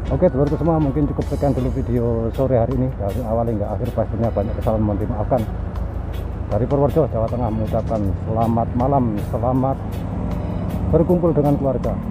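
Over music in the background, a man talks at a very fast pace in a dry sound with no echo. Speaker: motovlogger rider. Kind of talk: casual vlog commentary. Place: motorbike. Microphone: helmet.

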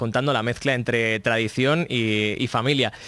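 With a bright, sharp tone, a man speaks in a dry sound with no echo. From Spain. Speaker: radio host. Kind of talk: interview. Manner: enthusiastic. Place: studio. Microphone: studio mic.

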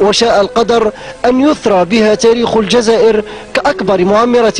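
Music plays behind a man who speaks at a moderate pace in a high pitch with ordinary pitch variation. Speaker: TV reporter. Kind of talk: TV news report narration.

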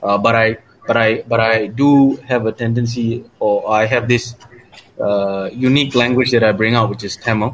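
The delivery is monotone and flat at a moderate pace. Light background noise sits behind it. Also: man, medium pitch for a man. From Singapore. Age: 30s. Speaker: visual artist; panelist. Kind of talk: panel discussion. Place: home room. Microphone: video call.

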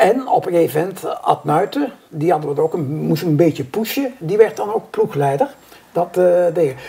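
A man with a high pitch and lively intonation. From Netherlands, West Brabant; Netherlands. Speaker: cycling club founder; interviewee. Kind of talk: interview. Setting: in a bar. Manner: fast. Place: home room.

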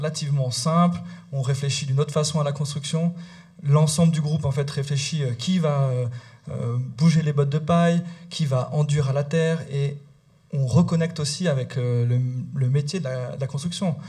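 A man's moderately paced, somewhat breathy voice with a dark, mellow tone, fairly even intonation, long and frequent pauses, and a quiet background. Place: hall.

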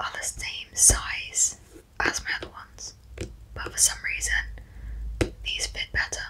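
A whispering woman with a British accent, very slow pace, big swings in loudness, and light background noise. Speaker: ASMR creator. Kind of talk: ASMR haul talk to camera. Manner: whispered. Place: home room.

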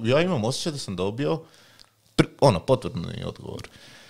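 A man's fairly quick speech with very wide pitch swings, over a quiet background. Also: big swings in loudness. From Croatia, Istria (Umag); Croatia. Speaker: travel writer and long-distance walker; podcast guest. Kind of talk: interview. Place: studio. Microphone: studio mic.

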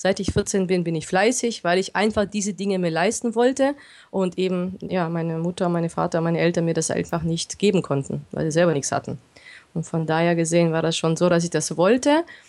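A woman's fairly low voice with a slight Swabian accent. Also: ordinary pitch variation, fairly quick pace. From Swabia, southwestern Germany. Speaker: network marketing executive. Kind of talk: interview.

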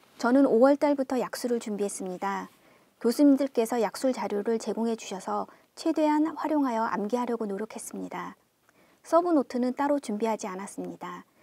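Her dark, mellow voice sits at a fairly high pitch with ordinary pitch variation. The woman talks at a fairly quick pace, and the sound is dry and close with no echo. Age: 50s. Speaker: homemaker, former bank employee, insurance adjuster exam passer. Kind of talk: interview testimonial.

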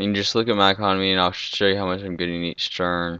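Talking at a fairly quick clip, a man delivers his words in a very deep, low voice with flat, monotone intonation. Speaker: gaming video creator. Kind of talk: let's play commentary. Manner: halting.

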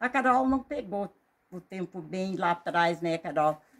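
A woman talks at a medium pitch. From Santa Catarina highlands, Brazil. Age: 80s+. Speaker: rural farm woman. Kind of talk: casual interview. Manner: halting.

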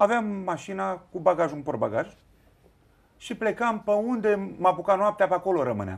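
A man speaks at a high pitch with ordinary pitch variation. His pace is moderate. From Romania, Ialomița county, rural village; Romania. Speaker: folk singer, theology graduate; interviewee. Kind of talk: interview. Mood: candid, reflective storytelling. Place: studio.

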